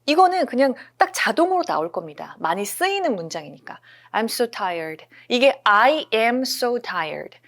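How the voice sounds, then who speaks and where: A woman teaching an English grammar lesson, explaining step by step, often checking in with listeners and repeating example sentences slowly. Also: on the high side, big pitch swings, fairly bright tone.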